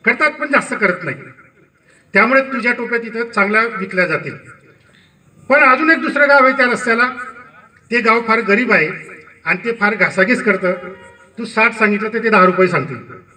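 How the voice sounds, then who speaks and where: A worn-out old cap seller giving his son fatherly business advice in a patient, explaining way, as a storyteller puts him on. The voice sits high and sounds very sharp and tense. It is heard from some distance off the mic. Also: fairly quick, pauses often. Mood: advising.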